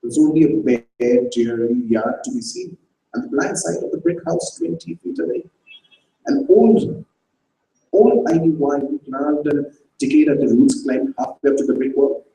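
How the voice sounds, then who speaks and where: A man reads a short story aloud with expressive narration before a live audience. His voice is dark and mellow, slightly raised in pitch, and it sounds distant in a reverberant room. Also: moderate pace, creaky. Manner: expressive, with restarts. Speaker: reader. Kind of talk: dramatized story reading. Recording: roomy live hall, distant mic.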